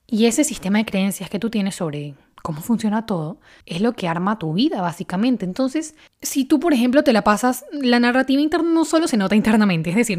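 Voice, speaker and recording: Young woman, mid pitch, earnest and chatty self-help host talking to camera. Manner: earnest, conversational, laughs softly between points. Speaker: video host.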